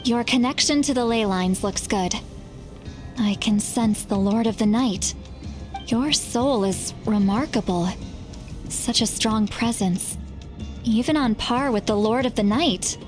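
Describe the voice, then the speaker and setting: A fairly high, youthful female voice for a seasoned tribal elder in a video game, acted by a woman. She is confident and brisk, teasing but caring. Faint music sits behind her. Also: lightly acted. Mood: focused. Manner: brisk, self-assured, teasing yet caring. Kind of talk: video game character acting.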